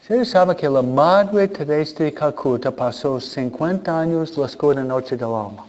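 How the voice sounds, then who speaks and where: A man, a Catholic priest, gives a relaxed, joking sermon with hesitant phrasing and frequent rhetorical questions. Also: fairly high pitch, normal speed, dull audio. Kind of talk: conversational sermon with humor.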